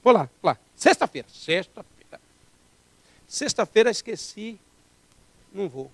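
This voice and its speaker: A man's voice: high voice, big pitch swings, measured pace, a bit bright, no echo. A man preaching a sermon as pastor, emphatic and full of rhetorical questions.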